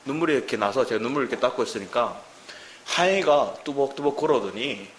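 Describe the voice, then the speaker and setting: A man's voice: mid-range voice, animated, quick pace. A man in his thirties with a Gyeongsang Korean accent preaching a sermon as pastor, asking the congregation many questions. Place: church sanctuary. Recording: roomy church hall with faint hiss.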